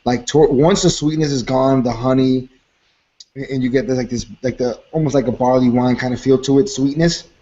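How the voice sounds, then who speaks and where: A man's voice: mid-range voice, fairly even intonation, fairly quick, dark tone, muffled recording. Rambling man tasting beer on a call. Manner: rambling, filler-heavy. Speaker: co-host. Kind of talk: casual beer tasting chat. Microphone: video call.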